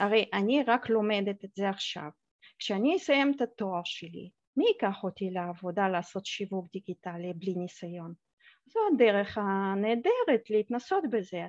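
A woman at medium pitch with ordinary pitch variation and a fairly slow pace, in a dry sound with no echo and a quiet background. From Uzbekistan. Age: 40s. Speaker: graduate student presenting her internship; guest. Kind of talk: presentation on a video call. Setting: video call. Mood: warm, personal. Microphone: headset.

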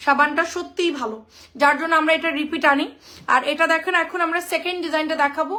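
A woman speaks in an extremely high pitch with a raised, projected voice. Her intonation stays fairly even. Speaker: online clothing seller. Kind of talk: live sales pitch.

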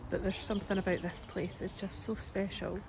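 A woman speaks over noticeable background noise, her voice dry and free of any echo. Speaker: garden vlogger. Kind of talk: casual vlog chat. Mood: delighted, enthusiastic. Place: shop. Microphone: phone near.

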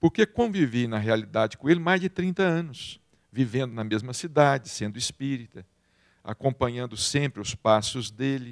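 The setting is quiet. A man delivers his words at a moderate pace, his intonation lively. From Brazil, Minas Gerais (Uberaba); Minas Gerais, Brazil. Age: 50s. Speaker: author and spiritist medium; interviewee. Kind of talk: interview. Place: studio. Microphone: handheld.

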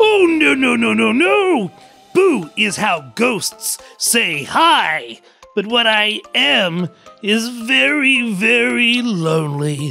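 A cartoonish character voice at a fairly high pitch talks at a very slow pace. Faint music plays in the background. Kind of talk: children's puppet show. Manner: cheerful, warm, eager.

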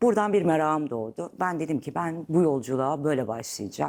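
A woman with a very deep, low voice and a dark, mellow tone speaks at a moderate pace with lively intonation. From Istanbul, Turkey. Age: 30s. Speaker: natural cosmetics entrepreneur. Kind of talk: interview. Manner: hesitant, many fillers.

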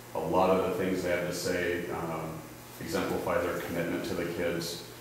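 The speech moves at a moderate pace amid strong room echo and noticeable background noise. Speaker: youth camp staff. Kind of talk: public comment. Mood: positive, appreciative. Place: meeting room. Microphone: camera far.

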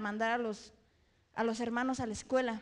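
Over a quiet background, a woman with a Mexican accent speaks in a high, monotone voice with flat intonation. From Mexico, State of Mexico, Toluca area; State of Mexico, Mexico. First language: Otomi (speaking Spanish). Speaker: professional boxer; speaker. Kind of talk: motivational talk. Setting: stage with audience. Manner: halting. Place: hall. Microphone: handheld.

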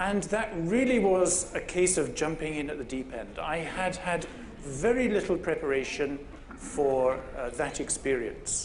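A man with a British accent speaks at a fairly slow pace in a high pitch with lively intonation over light background noise. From UK. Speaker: session moderator, education director. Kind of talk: moderated panel discussion. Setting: stage with audience. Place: hall. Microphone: lapel.

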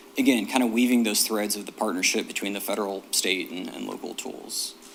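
A man speaks at a very fast pace in a fairly low pitch with fairly even intonation, over noticeable background noise. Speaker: state historic preservation officer. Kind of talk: presentation to a commission. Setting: city planning commission meeting. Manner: frequent filler ums.

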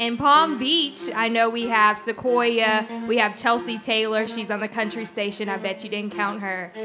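Clear music plays behind a woman whose fairly high pitch holds a fairly even intonation. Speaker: radio community founder, live show panel guest. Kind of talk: panel discussion answer. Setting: live event with audience, microphone. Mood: friendly, upbeat. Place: bar. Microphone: studio mic.

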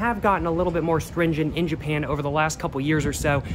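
A man's voice comes through over noticeable background noise. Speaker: vlogger. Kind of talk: casual vlog chat. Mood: excited, upbeat. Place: street. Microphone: phone near.

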